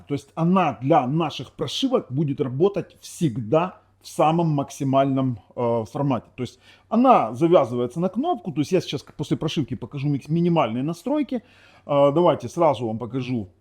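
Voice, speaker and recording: Lively, mellow-voiced man demoing a TV box. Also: on the high side. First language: Ukrainian. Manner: rambling, self-correcting, with sarcastic asides. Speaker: tech reviewer. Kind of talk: casual product demo talk.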